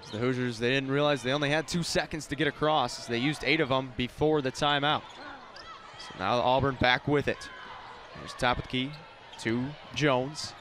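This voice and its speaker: A man's voice: medium pitch, fairly even intonation, normal speed. A young American man doing live play-by-play sports commentary, projecting with urgency. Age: young adult, about 20. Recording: loud crowd noise from the arena. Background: sports crowd and game ambience.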